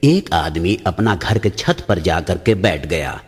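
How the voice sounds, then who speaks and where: A comedian with a Surinamese Hindustani accent, telling jokes in plain storytelling narration. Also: male voice, low voice, sing-song, slow, breathy edge. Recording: long hall reverb.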